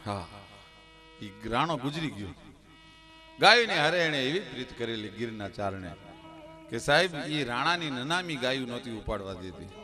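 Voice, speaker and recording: A male folk storyteller with a Saurashtra Gujarati accent, performing on a live stage. His delivery is impassioned and climbs toward near-shouted peaks. Clear musical accompaniment plays under his voice throughout. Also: medium pitch, big pitch swings, moderate pace, pauses often, soft background music.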